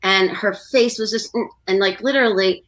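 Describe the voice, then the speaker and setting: A woman's voice: mid-range voice, moderate pace, fairly bright tone, rough recording. Chatty woman giving advice on a livestream. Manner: chatty, full of "you know" and "like" fillers; gives practical advice with personal examples. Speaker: coach and co-host of a livestream talk show. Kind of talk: casual livestream conversation.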